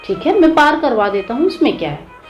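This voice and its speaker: A playful, kindly young cowherd boy in a devotional story, relaxed and reassuring, as a woman storyteller puts him on. The voice is somewhat high, with soft music faint behind. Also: a little fast, roomy sound. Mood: easygoing. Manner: easygoing and reassuring.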